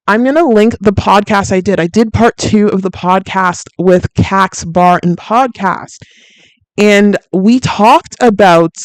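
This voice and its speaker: A woman with a deep, soothing voice, hosting a fitness livestream and chatting candidly with viewers, with frequent fillers and laughs. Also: clear, resonant tone, no room sound, poor audio. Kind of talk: casual livestream chat reading viewer comments.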